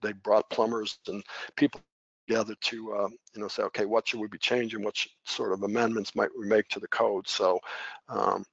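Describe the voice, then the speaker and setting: A man's voice: lowish voice, level tone, fairly quick, gravelly, fairly bright tone, husky. A middle-aged man giving an unscripted training webinar over slides, folksy and conversational with frequent fillers and restarts. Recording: dull, dry webinar audio.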